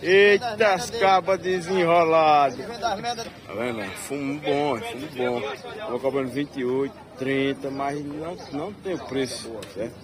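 A man talks his way through an outdoor street market, recorded on a handheld phone. His voice sits a little high and his delivery is chatty and drawn out. Crowd chatter and traffic fill the background. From Northeast Brazil. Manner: chatty, drawn-out pitching of prices. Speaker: channel host filming a market. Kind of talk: casual vlog commentary.

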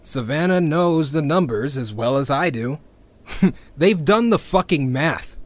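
Give the sound of a weary, sardonic activist in a sci-fi audio drama. His voice sits fairly high and swings widely in pitch. He speaks very slowly and haltingly, bitter about a doomed world. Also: lively intonation. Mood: weary, resigned. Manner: sardonic, halting, with sighs and wry laughs. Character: bitter, disillusioned male activist, weary and sweary. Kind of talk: sci-fi audio drama monologue, confessional recording.

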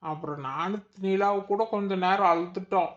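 A man voicing a chatty, homely young village woman in a cartoon, complaining and explaining in a relaxed family way. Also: high voice, normal speed. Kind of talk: cartoon voice acting. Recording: dull lo-fi recording.

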